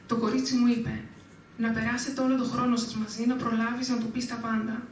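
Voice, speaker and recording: A woman giving a live poetry reading in a measured, even delivery at a literary event. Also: on the high side, slight background noise. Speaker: poet reading own work. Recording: very echoey room, speaker far from mic.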